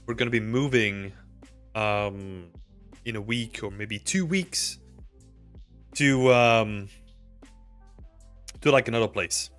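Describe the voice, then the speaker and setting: A man's voice: on the low side, takes it slowly, pauses often, a bit bright, faint music behind. A man from Belgium in his thirties, casually chatting with livestream viewers, rambling with lots of fillers. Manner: rambling, filler-heavy, answers chat questions. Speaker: livestream host. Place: small home room indoors. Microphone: desk mic with headphones.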